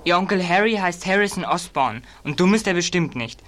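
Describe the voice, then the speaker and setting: A young man playing an excitable teenage boy detective, eager and teasing, in a German audio drama from the 1980s. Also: high voice, brisk, a little hiss or hum. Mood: eager, earnest.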